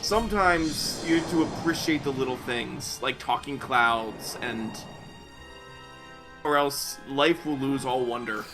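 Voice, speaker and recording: A man's voice: mid-range voice, a little slow. A man co-hosting casual reaction commentary, making joking, dryly philosophical asides. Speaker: co-host of a watch-along commentary. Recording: loud cartoon music behind.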